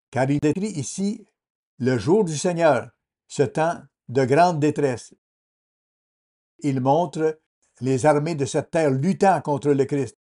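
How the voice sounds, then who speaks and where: Mellow-voiced man dubbing a sermon. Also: a little high. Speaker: sermon translator. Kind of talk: dubbed sermon voice-over.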